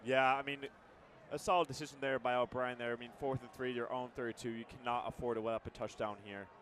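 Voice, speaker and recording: A man giving live football color commentary in a conversational, slightly halting way. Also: medium pitch, level tone, a bit bright. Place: outdoor stadium broadcast position. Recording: clear outdoor background noise.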